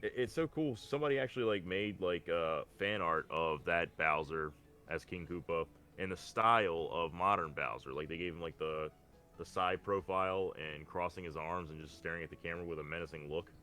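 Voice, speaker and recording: A man's voice: sits low, fairly quick, sharp tone. A man bantering casually about games and cartoons as a podcast co-host, swearing freely. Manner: casual, profane.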